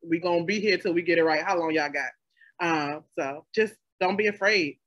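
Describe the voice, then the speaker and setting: A woman who makes audio dramas, talking casually and emphatically on a panel, with animated asides. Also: fairly low pitch, normal speed, muffled recording.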